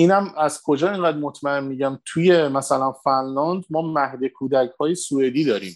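In an unremarkable speaking voice, a man talks at a fairly high pitch and moderate pace with ordinary pitch variation and hardly any pauses, against a quiet background. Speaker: emigrant sharing experiences. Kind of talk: casual chat.

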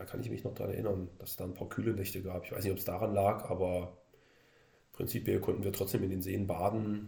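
Very fast, somewhat breathy male speech, fairly low in pitch, dark and mellow in tone, monotone and flat in intonation, with audible room echo. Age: 30s. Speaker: cycling tourist. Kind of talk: casual interview.

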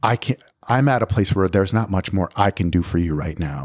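On a very clean recording with a silent background, a man with an American accent speaks at a moderate pace. His pitch is very deep and low, and the sound is dry and close with no echo. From Pennsylvania, US. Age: 40s. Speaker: runner and musician. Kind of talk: casual interview chat.

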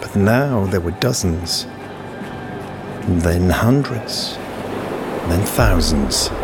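Over music in the background, a man speaks very slowly with hardly any pauses, in a very deep, low pitch. His tone is weary, yet his intonation is lively. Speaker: audiobook narrator. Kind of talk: scripted first-person fiction narration, audiobook style. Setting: studio. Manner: measured, weary, reflective, with a refrain-like repeated cadence; dry and blunt at the end, a sudden shift to colloquial.

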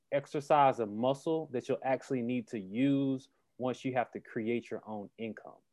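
This man has an ordinary speaking voice at medium pitch. The sound is dry and close with no echo, over a quiet background. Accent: American. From US South, Durham, North Carolina. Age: 30s. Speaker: financial educator. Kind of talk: casual interview.

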